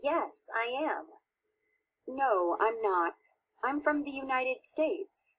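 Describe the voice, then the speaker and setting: A woman reading scripted textbook audio answers, slowly and carefully enunciated. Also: sits high, lively intonation, a bit bright, a little hiss or hum, rough recording.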